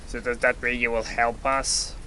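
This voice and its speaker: Man acting a sharp-voiced sardonic adventurer. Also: medium pitch, flat delivery, moderate pace, slight background noise, close to an everyday voice, poor audio. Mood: relieved, curious. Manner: sarcastic, blunt. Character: sardonic, exasperated, easily startled male adventurer hero. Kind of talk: audio drama acting.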